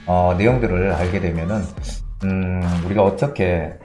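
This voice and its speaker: 낮고 어두운 목소리의 남성 진행자. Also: male voice, low voice, fairly even intonation, dark tone, roomy sound, soft background music. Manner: measured, explains with many fillers. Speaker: real estate show host. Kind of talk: explanatory talk show discussion.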